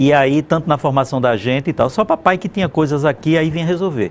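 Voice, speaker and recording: Here a man speaks at a moderate pace with a fairly high pitch. His intonation is lively. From Northeast Brazil, Alagoas (São José da Laje). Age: 60s. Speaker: poet, actor and theatre teacher. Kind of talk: interview. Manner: halting, many false starts.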